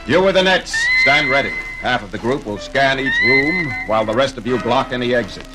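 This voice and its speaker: An actor playing a logical alien science officer, precise and formal, in a 1970s children's audio drama. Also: male voice, medium pitch, expressive, fairly quick, natural voice, low-quality recording. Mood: indignant. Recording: 1970s record, loud music behind.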